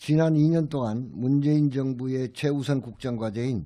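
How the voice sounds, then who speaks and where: Against a quiet background, a man's voice has a dark, mellow tone. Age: 60s. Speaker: politician, parliamentary candidate. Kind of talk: radio interview. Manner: formal.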